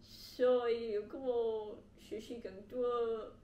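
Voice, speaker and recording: Young woman, foreigner speaking Mandarin, foreign accent, halting and very slow, higher-pitched, casual vlog. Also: flat delivery, dark tone. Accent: foreign, non-native Mandarin. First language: not Mandarin. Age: young adult. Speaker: language learner vlogger. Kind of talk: casual talk to camera. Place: indoor living room with bare wall, on sofa. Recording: echoey room, faint background hiss.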